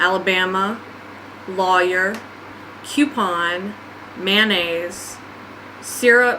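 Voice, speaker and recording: A woman with a slight Southern US accent talks at a very slow pace and medium pitch. Her intonation is fairly even, and there is noticeable background noise. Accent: mild Southern US. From North Carolina, USA. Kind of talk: casual talk to camera.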